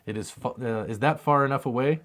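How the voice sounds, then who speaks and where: Male co-host, American accent, medium pitch, casual and self-deprecating chat. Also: brisk, fairly bright tone. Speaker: co-host reading viewer questions.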